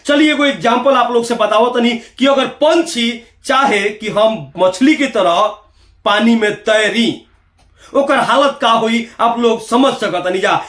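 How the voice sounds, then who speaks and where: Male online commentator, high voice, Bihari Bhojpuri accent, emphatic and rhetorical, roomy echo. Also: fairly bright tone. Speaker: YouTube commentator. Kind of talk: opinionated video commentary to viewers.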